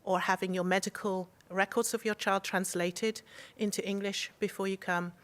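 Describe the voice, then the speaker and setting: A woman speaking as a special needs education expert on a panel, explaining options in a measured, steady way. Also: mid-range voice. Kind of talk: informative panel answers.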